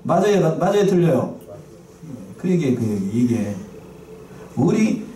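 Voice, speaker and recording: Very animated at a measured pace, a pastor whose voice sits on the high side but has a dark tone delivers a sermon in the sanctuary. He frequently questions his listeners and repeats key phrases, captured from a distance in a roomy space with light noise.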